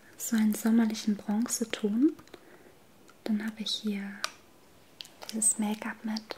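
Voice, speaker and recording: A soft-spoken woman in a gentle tone, monotone and flat in intonation, fairly slow, over light background noise. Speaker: beauty vlogger. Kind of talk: casual makeup product review. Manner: soft, gentle ASMR speaking voice. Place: home room. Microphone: camera far.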